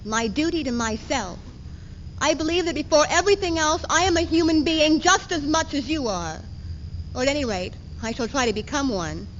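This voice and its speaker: A woman's voice: high voice, normal speed, natural voice. A woman playing an earnest, defiant woman in a readers theater piece, with emphatic, declamatory delivery. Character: earnest, defiant woman, one self of a divided woman. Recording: dull, noisy 1970s archive tape.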